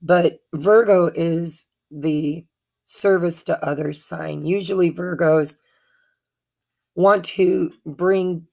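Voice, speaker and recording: Hoarse woman doing a tarot reading, slow and rambly, low gravelly voice, lots of ums. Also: fairly even intonation, a little mellow. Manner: chatty and meandering, many fillers and self-corrections. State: hoarse from allergies. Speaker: tarot reader. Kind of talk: casual tarot card reading.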